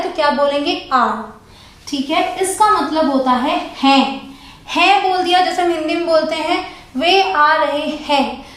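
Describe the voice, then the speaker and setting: Woman English teacher, high voice, very echoey room, slow lesson, repeats each example. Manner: spells out and repeats each example, often ending with "ठीक है". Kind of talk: slow, deliberate grammar lesson.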